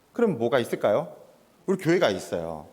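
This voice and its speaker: The speech moves at a fairly quick pace with vocal fry. Its pitch swings very widely. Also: man. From South Korea, Daegu. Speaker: pastor. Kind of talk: sermon. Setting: church.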